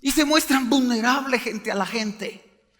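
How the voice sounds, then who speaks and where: A man's voice: very high-pitched, measured pace, fairly bright tone. A man preaching an emphatic sermon as pastor, pressing the congregation for amens. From Colombia. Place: church sanctuary. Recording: reverberant church hall with faint music.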